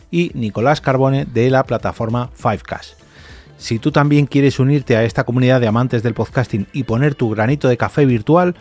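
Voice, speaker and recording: A man's voice: mid-range voice, darkish tone. Spanish podcast host, man, music underneath. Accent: Spanish from Spain. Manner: informal, explanatory, addresses listeners directly. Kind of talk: conversational solo podcast monologue.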